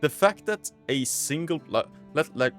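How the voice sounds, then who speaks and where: A man hosting a gaming video, giving casual gameplay commentary with excited outbursts and casual slang. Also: on the high side, measured pace, faint music behind.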